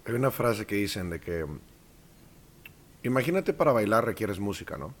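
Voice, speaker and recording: Animated Mexican man telling stories. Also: lowish voice, moderate pace. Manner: animated, acts out quoted voices. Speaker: actor guest. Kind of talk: casual interview storytelling.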